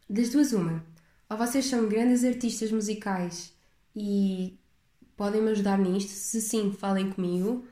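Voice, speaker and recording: A young woman with a European Portuguese accent talks through her solo podcast in a loose, rambling way, often circling back and restarting her thoughts. Her voice is mellow and soft-edged, and the room around her sounds echoey. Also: medium pitch. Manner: rambling, reflective, chatty with restarts. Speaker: podcast host. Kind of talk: casual solo podcast chat.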